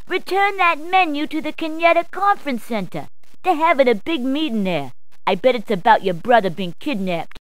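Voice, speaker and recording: A woman's voice: high voice, a bit bright, dry recording. A chirpy punning policewoman. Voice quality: punny, chirpy quips. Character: cheerful female city police officer. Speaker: in-game helper character. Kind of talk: video game voice clips.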